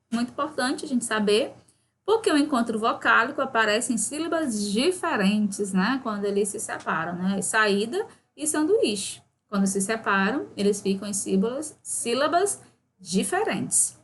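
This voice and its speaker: Woman, Brazilian Portuguese accent, schoolteacher, explaining grammar rules, asks "né?" often, faint hiss behind. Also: a little high. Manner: reads exercises aloud, explains with frequent "né?" tags. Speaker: teacher. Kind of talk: recorded grammar lesson for seventh grade.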